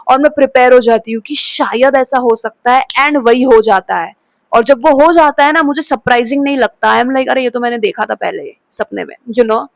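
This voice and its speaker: A woman's voice: high-pitched, dry recording. A woman vlogger dramatically retelling a nightmare, often slipping in English phrases. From Kolkata, India. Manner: dramatic, expressive retelling of a dream. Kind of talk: storytelling vlog.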